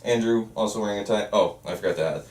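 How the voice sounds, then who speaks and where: A man's voice: on the low side, fairly even intonation, racing, a little mellow. A man reading stage directions at a script table read, casual, dropping in asides. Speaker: script narrator and writer. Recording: echoey room, distant from mic.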